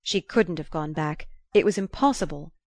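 A woman voicing a young man, speaking in a quiet, restrained way. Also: low-pitched, moderate pace, no room sound. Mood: earnest. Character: young man, earnest and guarded.

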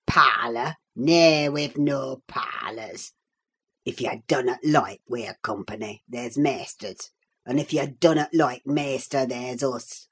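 A woman's voice: a bass voice, slow pace, fairly bright tone, voice pushed down, full character voice. Woman putting on a sneering old Yorkshire manservant. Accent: Yorkshire dialect put on. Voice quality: gruff, sneering, drawling. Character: surly old male servant, sneering, broad dialect. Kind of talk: audiobook reading.

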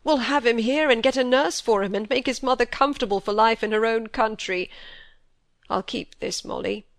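A woman reading a grief-stricken old country squire in a rough rural dialect, her voice low and broken. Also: moderate pace, dry recording, studio quality, natural voice. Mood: grieving. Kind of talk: audiobook character voice.

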